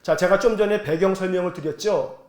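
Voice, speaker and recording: A man's voice: high voice, fairly quick, darkish tone. A male pastor preaching a sermon, explaining a story and asking the congregation rhetorical questions. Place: church sanctuary. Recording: roomy church sanctuary echo.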